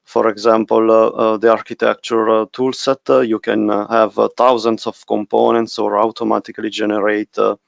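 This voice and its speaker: Italian guy presenting a webinar, flat gravelly voice, lots of uh pauses. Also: on the low side, no room sound, muffled recording. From Italy. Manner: halting, many filler pauses. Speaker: technical specialist presenter.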